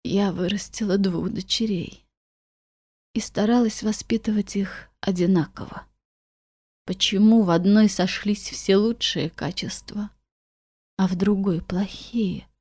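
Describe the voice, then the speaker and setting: A woman voicing a stern, grieving old grandmother in an audiobook, speaking in a hushed, half-whispered, bitter way. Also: on the low side, takes it slowly, no room sound.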